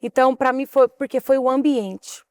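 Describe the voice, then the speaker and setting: Woman, high voice, animated storyteller, dry close sound. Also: moderate pace, no echo. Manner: animated storytelling, quotes others. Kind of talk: casual chat.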